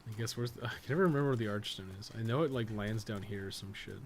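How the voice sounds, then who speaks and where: A man's voice: fairly low pitch, quick pace. Rambling man streaming, noisy background. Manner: rambling, thinking aloud, swearing freely. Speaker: live streamer. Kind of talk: casual live game stream chat.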